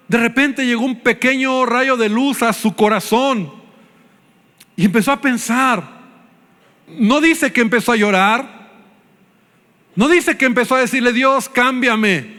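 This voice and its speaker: A man with a Mexican Spanish accent, a pastor preaching an animated sermon to his church and acting out the voices he quotes. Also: extremely high pitch. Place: church hall. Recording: live church hall with reverb and faint music.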